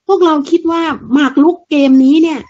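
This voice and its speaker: A woman's voice: very high-pitched, fairly even intonation, brisk, warm tone. A woman giving a fiery, blunt political monologue, crude and mocking, full of rhetorical questions. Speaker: political commentator. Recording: dull lo-fi sound.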